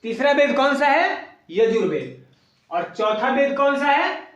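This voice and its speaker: A man teaching an exam coaching lesson, asking questions and then repeating the answers slowly. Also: extremely high pitch, big pitch swings, fairly bright tone, far from the mic, dull audio. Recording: echoey room, voice away from mic.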